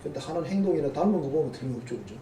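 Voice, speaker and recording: Middle-aged man, pastor, mellow sermon voice, off-mic and echoey in the sanctuary. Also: a little high, expressive, very fast, slight background noise. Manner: conversational, teasing asides to the congregation. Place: church sanctuary. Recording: roomy church sound from a distant mic.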